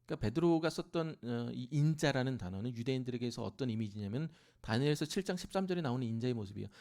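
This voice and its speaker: A man preaching a sermon in church, explaining scripture and acting out lines with rising force. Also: fast. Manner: animated preaching, shouting scripture at peaks, then dropping low. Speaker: pastor. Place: church sanctuary.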